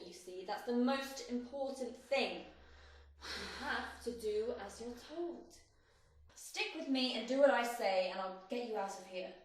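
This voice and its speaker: A young woman acting a mysterious, menacing guide in a horror audio play, hushed, commanding and teasing with threats. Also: a little high. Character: mysterious menacing female guide in a hellish place. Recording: very echoey binaural recording.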